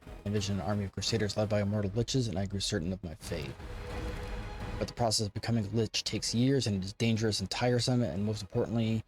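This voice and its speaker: A man's voice: on the low side, fast, music in the background, natural voice. Man playing an arrogant ancient undead lich king. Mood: proud. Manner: haughty, formal, archaic speech. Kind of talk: reading game dialogue in character.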